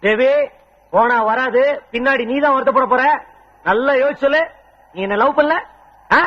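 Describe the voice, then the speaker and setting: An actor playing a brash young man who woos a woman with fast, pleading, comic boasting, on a dull old film soundtrack. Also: extremely high pitch. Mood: boastful. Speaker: suitor. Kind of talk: Tamil film dialogue.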